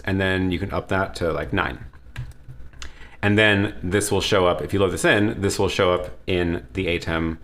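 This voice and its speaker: Man, very low voice, casual livestream host, relaxed, restarts sentences, home studio. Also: vocal fry. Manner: relaxed, thinks aloud with many restarts. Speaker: livestream host answering viewer questions. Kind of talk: casual live Q&A. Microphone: headset or desk mic with headphones.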